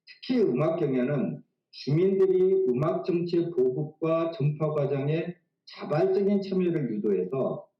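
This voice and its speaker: A man giving formal expert commentary in an interview. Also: fairly high pitch. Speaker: expert analyst. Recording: echoey room, slightly dull sound.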